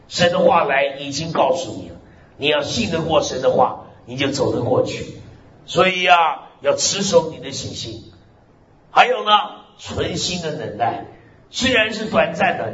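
A man's voice: fairly high pitch, fairly bright tone. A man preaching a sermon as pastor, emphatic, with frequent hallelujahs and amens. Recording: echoey hall, dull lo-fi sound.

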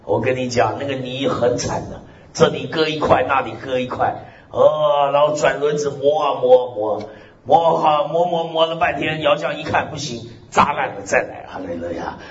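A man preaching a sermon in an animated way, drawing out key phrases and punctuating them with amens and hallelujahs. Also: normal speed. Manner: swings pitch widely, drawls key phrases. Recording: slightly dull recording with faint hiss.

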